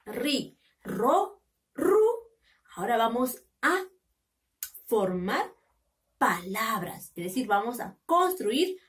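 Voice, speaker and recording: A woman teaching a phonics lesson to young children, sounding out syllables slowly and coaxing them with questions. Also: a little high, recorded from a distance. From Peru. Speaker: kindergarten teacher.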